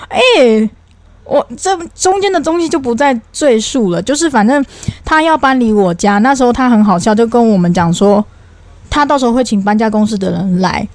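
A young woman, co-hosting a podcast and telling stories in an animated, exasperated way, with some swearing. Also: a little high, no room sound. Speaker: podcast co-host. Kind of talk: casual storytelling chat.

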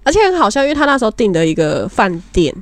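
A woman's voice: medium pitch, quick pace, dry recording. Young woman telling a frank story. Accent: Taiwanese Mandarin. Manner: animated storytelling, frank and laughing. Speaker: podcast co-host. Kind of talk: casual chat.

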